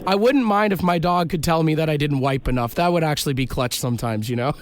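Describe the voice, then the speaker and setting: Raspy-voiced joking radio host. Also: male voice, on the high side, fast talker, a little hiss or hum. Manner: joking, teasing banter. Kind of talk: casual radio chat.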